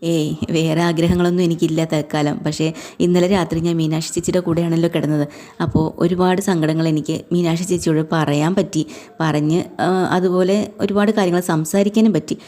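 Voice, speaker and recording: An earnest young wife reasons with her husband in a retold TV serial scene, as a woman storyteller voices her. The voice sits low and moves quickly. Its tone stays soft and mellow. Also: natural voice.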